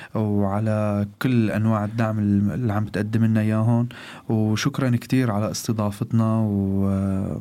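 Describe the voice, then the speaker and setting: A man's dark, mellow voice, fairly low-pitched, monotone and flat, at a fairly slow pace with very even loudness. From Syria. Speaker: refugee, former English teacher. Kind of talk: radio interview testimony. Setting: studio.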